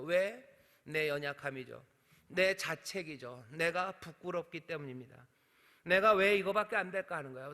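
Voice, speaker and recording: A male senior pastor preaching a sermon with passion, using dramatic pauses and rhetorical questions. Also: high-pitched, pushed and bright. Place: church sanctuary. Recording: reverberant church hall.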